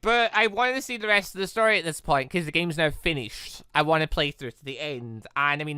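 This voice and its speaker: A man hosting a gaming video, chatting casually in a rambling, excitable way as he comments on his playthrough. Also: a little high, clean tone, no room sound, studio quality. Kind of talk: casual let's play commentary.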